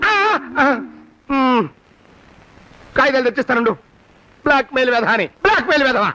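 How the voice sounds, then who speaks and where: Comic film role: a tight-fisted, irritable moneylender with a sharp, bright voice. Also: male voice, very high voice, fairly quick. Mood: grumbling. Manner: grumbling, haggling, irritable. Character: stingy grumbling older moneylender man. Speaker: film character, a miserly moneylender. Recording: dull film soundtrack with faint noise.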